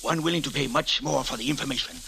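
An actor playing a furtive male informant who talks in a hushed whisper, in a 1940s radio drama. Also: mid-range voice, fast talker, creaky, a little hiss or hum.

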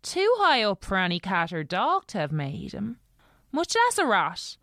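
Gossipy servant housekeeper, rural English accent, kindly, animated pitch, dry close sound. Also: female voice, unhurried, no echo, heavily acted. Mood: uneasy. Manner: chatty, colloquial servant's storytelling. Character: kindly, fussing, gossipy old-fashioned housekeeper woman. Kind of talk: audio drama acting.

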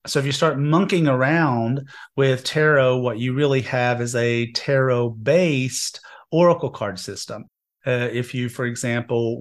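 Male host, casual and wry, a little hoarse from a cold, mid-range voice. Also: medium pitch. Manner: chatty, wry asides. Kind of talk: casual spiritual talk show. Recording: internet radio show.

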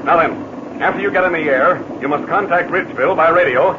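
An actor playing a steady, commanding American pilot captain in a 1940s radio drama. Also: male voice, on the high side, brisk, natural voice. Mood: brisk, instructing. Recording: muffled, noisy vintage radio recording.

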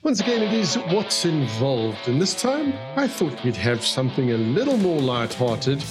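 A man's voice: medium pitch, very animated, moderate pace, music in the background. A man hosting a podcast interview, asking friendly, rambling questions with fillers. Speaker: podcast host.

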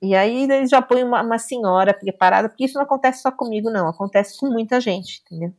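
A woman's voice: fairly high pitch, quick pace. A middle-aged woman, a guest telling a personal story casually and acting out the dialogue. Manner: animated, acts out quoted dialogue.

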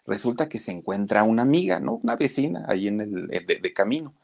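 A man's voice: fairly low pitch, sing-song, quick pace, gravelly. A man telling a moralizing story, chatting directly to his listeners.

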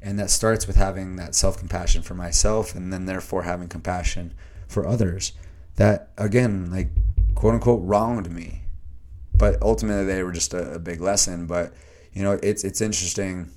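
A man hosting a solo podcast, talking earnestly and a little hoarsely, often restarting his sentences. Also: low voice, steady tone, moderate pace, a little mellow. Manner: earnest, searching, with many restarts and fillers. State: slightly hoarse. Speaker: podcast host. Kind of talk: reflective solo podcast monologue.

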